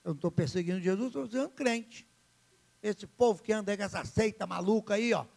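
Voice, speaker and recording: A man voicing a brash young male persecutor who answers back in fast, dismissive retorts during a sermon. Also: high voice, vocal fry, darkish tone. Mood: scornful.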